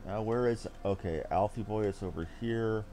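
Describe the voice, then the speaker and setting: A man's voice: on the low side, normal speed, dark tone, a little hiss or hum. A middle-aged man chatting casually and ramblingly as he streams a game.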